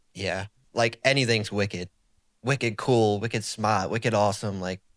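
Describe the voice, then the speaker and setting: An American accent at a moderate pace with fairly even intonation, dry and close with no echo, in a very clean recording with a silent background. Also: man, fairly low pitch for a man. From South Boston, Massachusetts. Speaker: ABA therapist and entertainment business owner. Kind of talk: casual interview chat.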